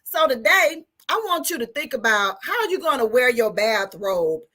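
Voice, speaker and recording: Woman, Southern US accent, high bright forceful voice, enthusiastic, folksy, casual motivational guest talk. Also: sing-song, moderate pace. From Texas, United States. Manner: enthusiastic, folksy, rhetorical check-ins. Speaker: guest, mental health therapist.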